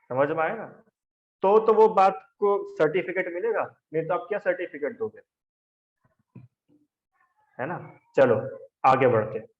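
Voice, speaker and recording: A male teacher giving a class lecture, arguing through rhetorical questions and answers and quizzing his students by name. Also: a little high. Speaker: religion teacher. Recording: roomy, dull lo-fi recording.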